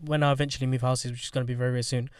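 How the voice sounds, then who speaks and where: A man's voice: mid-range voice, flat delivery, very fast, clear, resonant tone, dry recording, clean studio sound. A young man, hosting a podcast in easygoing, slang-heavy chat. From North London. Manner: easygoing, chatty, uses London slang. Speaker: podcast host. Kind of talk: casual banter.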